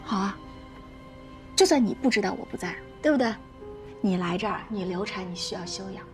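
An actress playing a jealous young wife who scolds with sarcastic, rapid questions. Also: female voice, medium pitch, lively intonation, faint music behind, lightly acted. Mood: accusing. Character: sharp-tongued jealous wife, young adult. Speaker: wife confronting her husband's houseguest. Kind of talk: TV drama acting. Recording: TV drama with loud score.

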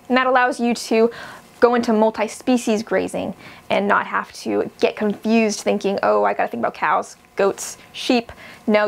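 A young woman, a shepherd, explaining grazing in a steady, practical instructional lesson, recorded indoors at a whiteboard. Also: fairly high pitch, vocal fry. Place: indoors in front of a wooden wall and whiteboard.

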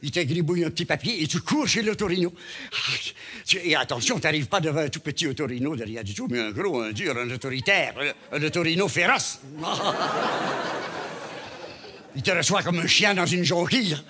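A comedian telling a comic stage monologue in a stammering, naive way full of wordplay. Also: male voice, on the high side, expressive, moderate pace, noisy background.

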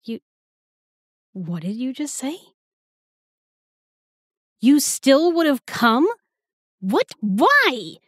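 A woman playing a guilt-ridden, protective girlfriend in an intimate audio roleplay, speaking haltingly and emotionally in a breathy, husky voice. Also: sits high, sing-song, no echo, clean studio sound, exaggerated voice. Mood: angry, distraught. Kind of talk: intimate audio roleplay acting, spoken to the listener.

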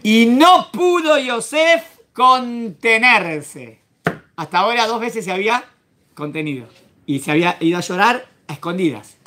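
A man's voice: high voice, pushed and bright. A man teaching a Torah class as a rabbi, quizzing his students and acting out the verses. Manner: questions the class and acts out the verses.

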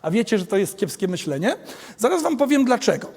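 Give me a high-voiced man lecturing in a reverberant hall. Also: very animated, a little fast, creaky, a little mellow, husky. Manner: conversational, keeps asking the audience "nie?"; acts out quoted students and teachers. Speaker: professor giving a talk on youth and cyberviolence. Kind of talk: lively lecture with anecdotes. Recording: long reverb of a large hall.

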